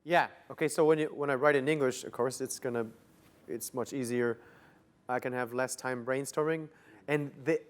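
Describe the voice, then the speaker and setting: Relaxed and casual, this young man from Canada peppers his interview answers with "like." He speaks at a normal speed in a mid-range voice.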